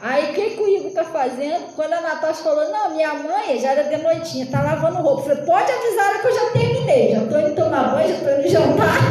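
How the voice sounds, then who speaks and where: High-voiced woman preaching in an echoey room. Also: brisk. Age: 30s. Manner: chatty, animated, often addresses listeners as "gente". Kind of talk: informal sermon.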